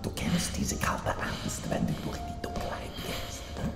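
An actor playing a grandiose, gloating mad cultist doctor with theatrical, menacing phrasing in a horror audio drama. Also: male voice, natural voice. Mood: menacing, hushed. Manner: theatrical, drawn-out menacing phrasing, swinging from whispers to shouted incantation. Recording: reverberant hall, music behind.

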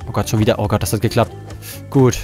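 Sitting at a desk indoors, a man hosting a let's play commentates live on his game, getting frustrated, cursing, and coaching himself back to calm. He speaks fast in a lowish voice, with faint music behind him.

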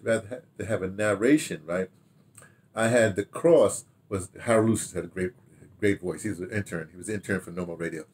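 In a small home room lined with books, an older American man who produced radio dramas looks back casually on his work for the camera. He speaks in a fairly low, darkish, slightly rough voice, halting and rambling, repeating words and checking notes aloud.

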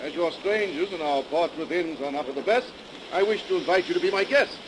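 A man's voice: fairly high pitch, expressive, fast talker, close to an everyday voice. An actor in a 1930s radio drama playing a humble, hospitable minister and father with formal, genteel speech. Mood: courteous. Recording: noisy 1930s radio broadcast.

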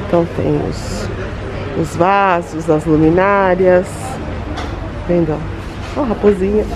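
A woman's voice: lowish voice, fairly even intonation, slow, a crowd in the background. A Brazilian woman vlogging a walk through a home goods store, chatty and enthusiastic as she shows products to her viewers. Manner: enthusiastic, gushing over items, chatty asides to viewers. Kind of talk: store tour vlog, showing products.

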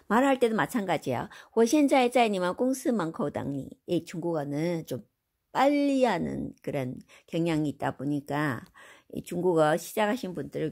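A woman teaching Chinese in Korean, reading the example sentences out slowly and explaining them. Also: deep voice, vocal fry, darkish tone, slightly rough. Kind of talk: slow spoken language lesson.

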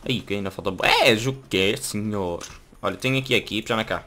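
A young man with a European Portuguese accent, hosting a casual gaming video and yelling and swearing when a fight starts. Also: lowish voice, brisk.

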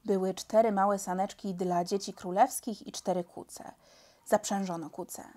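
Mellow woman reading a children's book. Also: medium pitch, fairly even intonation, unhurried. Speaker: storyteller.

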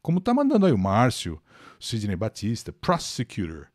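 Lively older Brazilian teacher, close and dry. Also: male voice, on the low side, normal speed, dry recording. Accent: Brazilian Portuguese. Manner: lively, explanatory, answers chat viewers by name. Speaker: English teacher hosting a live class. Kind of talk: live online English lesson.

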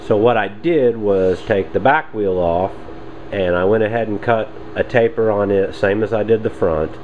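A man calmly explaining, step by step, the work he is doing in his home workshop, recorded on a handheld camera. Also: on the low side, lo-fi sound, slight background noise. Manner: plain step-by-step explaining, unhurried. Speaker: hobby machinist reviewing a tool. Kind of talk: casual workshop demonstration. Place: home workshop with lathe and bench. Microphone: handheld camera mic, speaker off screen.

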